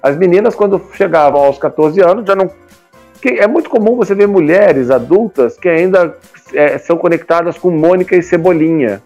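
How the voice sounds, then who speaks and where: A man's voice: high-pitched, animated, fairly quick, a little mellow, lo-fi sound, soft background music. A man in his fifties with a Brazilian accent, talking casually and at length as an interview guest, often tagging his points for agreement. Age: 50s. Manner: talkative, colloquial, often seeks agreement with tag questions. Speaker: guest, comics publisher. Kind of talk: casual conversational interview talk.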